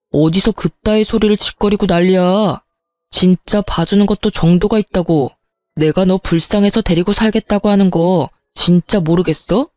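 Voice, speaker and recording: A woman's voice: medium pitch, a little mellow, no echo, close to an everyday voice. A woman voicing a smug, self-righteous husband in his thirties who talks down to his wife, as she reads a story aloud. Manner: dismissive, belittling.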